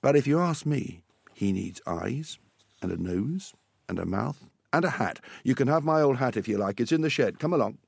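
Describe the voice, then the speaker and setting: A man reading a storybook as a cross farmer dad who softens into pride. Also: medium pitch, lively intonation, normal speed, creaky, husky, no room sound, voice pushed up. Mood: proud, warm.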